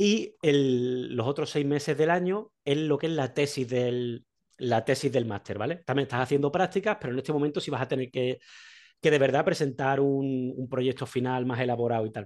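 Against a quiet background, a man speaks in an ordinary speaking voice at medium pitch and moderate pace, with ordinary pitch variation. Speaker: veterinarian and traveller. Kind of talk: casual interview.

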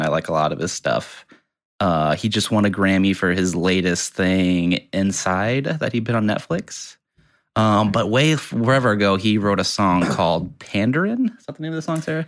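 Recorded very cleanly against a silent background, a man with an American accent speaks in a plain, everyday voice at a fairly low pitch and a moderate pace. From small-town Missouri. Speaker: podcast co-host. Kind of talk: casual chat.

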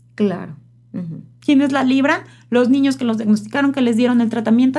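Speaking at a moderate pace with a Mexican accent, a woman uses a high pitch and ordinary pitch variation. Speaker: mother of a child with a rare disease. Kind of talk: interview.

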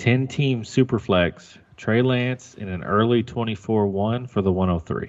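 A man speaks with a normal speaking voice at medium pitch and ordinary pitch variation. His pace is fairly slow, with hardly any pauses. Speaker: fantasy football podcast host. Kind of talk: casual chat.

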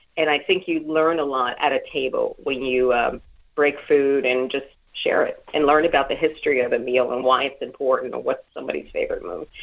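Speaking with a New York accent, a woman goes at a fairly quick pace. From New York City (Queens). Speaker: executive coach and author. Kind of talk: podcast interview. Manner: animated.

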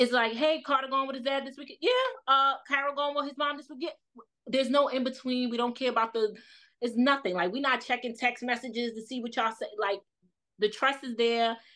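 A woman's raised, projected voice in a New York accent, high-pitched with a bright, sharp tone, fairly quick and fairly even in intonation. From Brooklyn, New York. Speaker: content creator and single mom.

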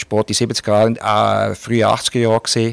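Recorded very cleanly against a silent background, a man's fairly low voice sounds dry and close, with no echo. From Switzerland, Biel area. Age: 50s. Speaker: football club president. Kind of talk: radio interview. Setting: radio studio. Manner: hesitant, many fillers.

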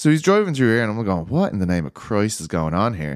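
With a Dublin accent, a man speaks in an animated tone at medium pitch, his voice swinging very widely, recorded very cleanly with a silent background and a dry, close sound with no echo. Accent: Irish, Dublin. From Ireland, Dublin. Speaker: MMA podcast host. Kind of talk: casual chat.

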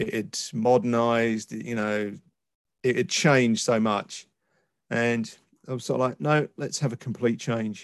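A man with a southern English accent talks at a fairly slow pace with ordinary pitch variation, on a very clean recording with a silent background. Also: medium pitch for a man. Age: 50s. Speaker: paramedic. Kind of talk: interview.

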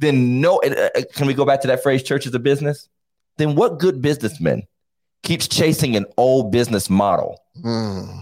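A man at a fairly high pitch with an animated tone, lively intonation and a moderate pace, on a very clean recording with a silent background. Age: 40s. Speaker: pastor and podcast host. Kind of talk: casual chat.

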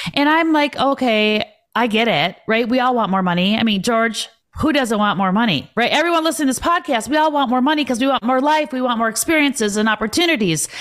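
Speaking at a very fast pace, a woman with a Minnesotan accent uses a high pitch and an animated tone. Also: lively intonation. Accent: Minnesota. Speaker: financial advisor and author. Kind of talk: interview podcast.

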